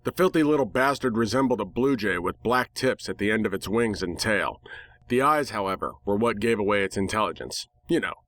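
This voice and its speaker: A man's voice: on the low side, expressive, fairly quick, a bit bright. A man reading a first-person story aloud as a dramatic narrator, with a sardonic, irreverent manner. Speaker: narrator reading fan fiction.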